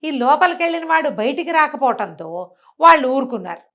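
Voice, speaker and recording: Animated older woman telling a folk tale. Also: a little fast, lo-fi sound. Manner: acts out characters' lines with lively pitch swings. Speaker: storyteller.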